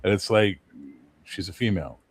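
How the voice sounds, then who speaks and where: A man hosting a casual livestream chat, blunt, opinionated and quick to swear. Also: low voice, lively intonation, husky. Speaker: host.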